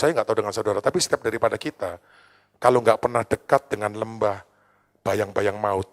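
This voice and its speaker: A man pastor, preaching a sermon in a church and telling a story with animated swings between loud indignant bursts and quiet asides. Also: fairly low pitch, gravelly.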